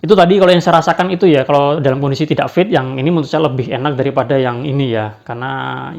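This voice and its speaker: A man's voice: medium pitch, fast talker, creaky, a little mellow. A man giving a casual spoken product review, hesitant, with many fillers and tag questions. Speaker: badminton racket reviewer. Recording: dull lo-fi sound.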